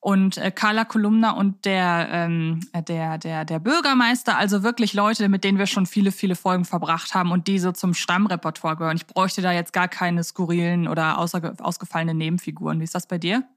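A woman's voice: lowish voice, steady tone, fairly quick, hardly any pauses. Articulate woman hosting a podcast. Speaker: podcast host. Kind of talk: conversational podcast talk.

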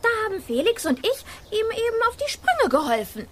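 A woman playing a cheeky young punk witch girl in a children's audio drama, with a snotty, direct, loudmouthed manner. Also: very high-pitched, wildly swooping pitch, fairly quick, background noise, full character voice. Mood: cheeky, teasing.

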